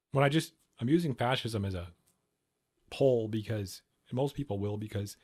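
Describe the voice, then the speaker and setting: Argumentative man hosting a livestream. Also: mid-range voice. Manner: argumentative, rambling, swears. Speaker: livestream host. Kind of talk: casual political livestream commentary.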